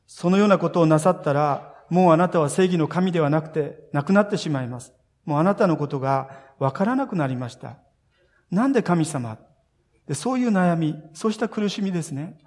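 A man preaching a sermon as pastor, earnest and expressive, building emphasis as he speaks. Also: fairly high pitch, fairly quick. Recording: long reverb of a large hall.

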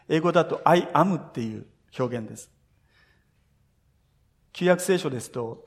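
A male pastor giving a sermon, telling the story with earnest feeling and speaking straight to his listeners. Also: fairly high pitch. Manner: earnest storytelling, speaks directly to listeners, voices scripture quotes. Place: church sanctuary. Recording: long reverb of a church hall.

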